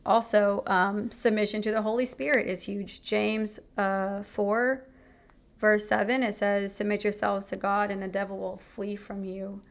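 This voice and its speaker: A woman's voice: medium pitch, little pitch movement, measured pace. A young woman giving an earnest personal faith testimony, speaking frankly about her own experiences.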